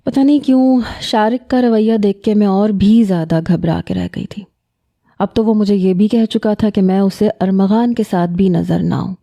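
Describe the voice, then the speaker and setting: A woman narrating a first-person story in a calm, steady storytelling manner. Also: medium pitch, gravelly.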